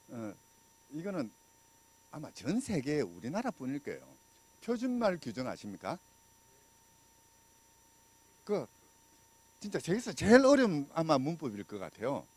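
A middle-aged man from Busan, South Korea, with a somewhat high, slightly mellow voice and a breathy edge, gives a public law lecture in a small indoor lecture room. Holding a mic, he gestures and walks as he talks, keeping things conversational, questioning the audience, and using many fillers.

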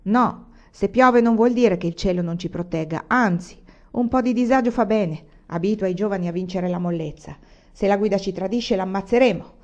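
A woman reading the part of a bold male bandit chief who rallies his men loudly. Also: medium pitch, normal speed, lightly acted. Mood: rousing. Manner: loud and rallying. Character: fiery bold male bandit leader, rousing. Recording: dull lo-fi recording.

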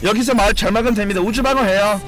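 A man streaming a competitive game, commenting live, cheering teammates and shouting and swearing as he plays. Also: sits high, rapid-fire. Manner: excitable, shouts and swears during play; cheers on teammates with repeated calls.

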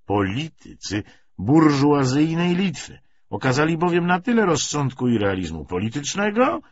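A pompous communist commissar acted out by a male reader lectures in emphatic, rhetorical phrases. His husky voice swings widely in pitch, on a slightly dull audiobook recording. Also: very animated, normal speed. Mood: instructive, calculating. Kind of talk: political speech within an audiobook novel.

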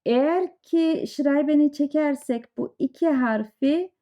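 A woman's voice: high-pitched, unhurried, warm tone. A woman teaching a language lesson, explaining example sentences with conversational asides. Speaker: German teacher. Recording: dull lo-fi sound.

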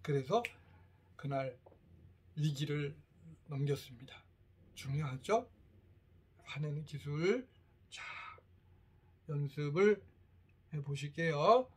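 A man in his fifties leading a workshop for parents, telling lively family stories and acting out the lines people said. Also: on the high side, takes it slowly, long pauses, slightly rough. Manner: lively storytelling, acts out quoted family lines. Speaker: teacher giving a parent workshop. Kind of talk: lecture to parents. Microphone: lecture recording, in front of a camera.

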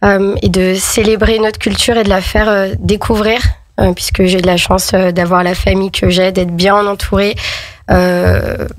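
A woman's voice: medium pitch, flat delivery, moderate pace, dry recording. A woman organizing an event, speaking as a guest in a radio studio interview, hesitant with many fillers.

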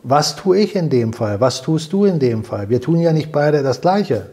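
Older male host, earnest explainer, dark husky voice, room-miked. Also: on the high side, expressive, moderate pace. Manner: earnest, explanatory, repeats himself while searching for words. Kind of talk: salon conversation. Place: living room with fireplace, indoors.

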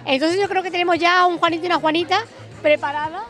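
A woman's voice: very high voice, steady tone, fast talker, fairly bright tone. A woman in her forties interviewing a guest outdoors at a night event, upbeat and guiding with questions. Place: beach bar terrace at night, outdoors. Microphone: handheld mic. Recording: music and crowd faintly behind.

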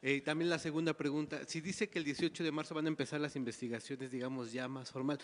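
A man's voice: on the high side, steady tone, fast talker. A man in his thirties, a reporter asking questions at a press conference. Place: large indoor press conference hall. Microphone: handheld microphone. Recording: reverberant hall, handheld microphone.

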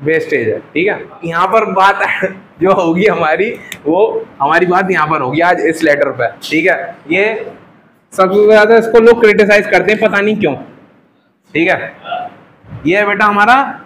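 A man's voice: sits high, unhurried, fairly bright tone, a little hiss or hum, rough recording. A young man teaching Russian to a class, patient and joking, often calling his students "beta" as he drills the letters.

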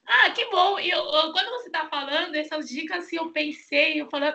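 A woman's voice: very high voice, brisk, pushed and bright, slight background noise. A young woman hosting a casual video-call interview as a language teacher, chatty and laughing often, on a headset mic. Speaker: Chinese teacher and host. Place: small room at home, indoors.

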